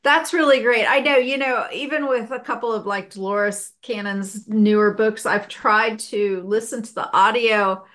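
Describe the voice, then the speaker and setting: Upbeat, higher-pitched woman hosting an interview. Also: fairly even intonation, moderate pace, hardly any pauses, a bit bright. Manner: enthusiastic, chatty, laughs often. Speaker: podcast host. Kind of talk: casual interview chat.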